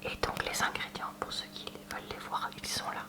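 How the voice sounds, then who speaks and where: A woman speaking in a soft, breathy whisper, presenting products in an unhurried ASMR unboxing style with hesitant asides. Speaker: ASMR video creator showing purchases. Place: at home.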